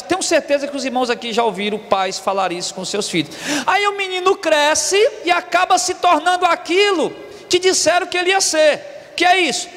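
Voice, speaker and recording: A man's voice: very high voice, a bit bright, long reverb tail. A Brazilian man in his forties preaching a sermon as a pastor, emphatic and repetitive, calling his listeners brothers. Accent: Brazilian Portuguese. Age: 40s. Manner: emphatic preaching, repeats key words, addresses listeners as brothers.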